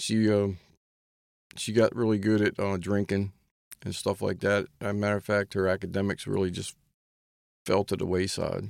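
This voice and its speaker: In a very clean recording with a silent background and a dry, close sound with no echo, a man with a fairly low pitch speaks at a moderate pace in a monotone, flat intonation, with long, frequent pauses. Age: 50s. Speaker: concrete worker sharing recovery testimony. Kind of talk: testimony.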